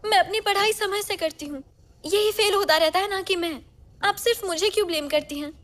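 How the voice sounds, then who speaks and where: Moody teen daughter, sulky and hurt, bright high voice. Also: female voice, brisk. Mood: tearful. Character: teenage daughter Xiyan, moody and resentful. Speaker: dubbing voice actor. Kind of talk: Hindi dub of a drama series.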